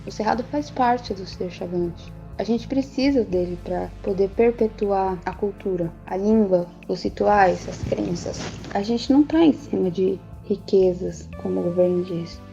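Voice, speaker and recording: A woman's voice: mid-range voice, unhurried, creaky, hardly any pauses, mellow, soft background music. A Brazilian woman talking reflectively as an interviewee, on muffled audio.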